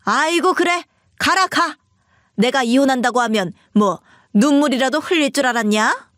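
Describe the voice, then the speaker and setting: A woman voicing a pushy, shrill older mother-in-law who scolds and wails indignantly. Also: brisk, dry recording, clean studio sound, close to an everyday voice. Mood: scolding.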